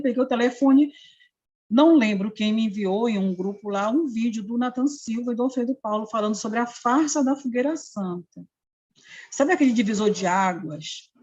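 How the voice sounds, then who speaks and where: A middle-aged woman with an Amapá Brazilian Portuguese accent recounts a personal story, slipping into the voices of the people she quotes. Her voice is husky and a little breathy, at a medium pitch. The recording sounds dull and lo-fi. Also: darkish tone. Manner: earnest storytelling, acting out quoted dialogue. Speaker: interviewee. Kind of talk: personal testimony.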